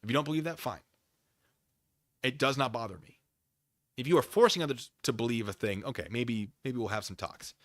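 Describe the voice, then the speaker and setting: A man's voice: medium pitch, fairly quick, pauses often, no echo, clean studio sound. A man hosting a livestream, chatting casually with viewers in a theatrical, emphatic manner. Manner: theatrical, emphatic, exasperated debating. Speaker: livestream host.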